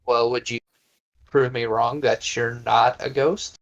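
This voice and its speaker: A man's voice: mid-range voice, steady tone, measured pace, dull audio. Hesitant man at a tabletop game. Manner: hesitant, stammering restarts. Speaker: player. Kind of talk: casual tabletop game talk.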